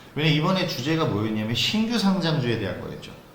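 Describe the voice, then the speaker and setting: A man talks at a very fast pace. The room echo is audible, and there is noticeable background noise. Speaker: stock market broadcaster. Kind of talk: live stream market talk. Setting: live online broadcast.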